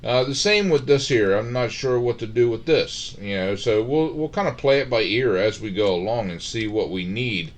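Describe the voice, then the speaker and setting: A man's voice: medium pitch, animated, normal speed, hardly any pauses. A middle-aged man giving casual, rambling commentary on his Minecraft game, full of fillers and restarts. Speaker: Minecraft let's-play host.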